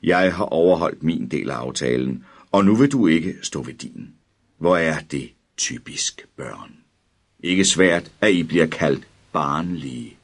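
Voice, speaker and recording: A man voicing a sinister inhuman figure in black who speaks calmly and pleasantly, slow and soft with quiet menace. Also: a bass voice, full character voice. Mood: mocking.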